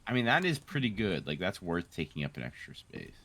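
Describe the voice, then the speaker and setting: A man's voice: deep voice, huge pitch swings, a little fast, vocal fry, fairly bright tone, a little hiss or hum. A man co-hosting a gaming session in casual chat, rambling, joking and swearing freely. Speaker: gaming co-host. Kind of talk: casual chat over gameplay.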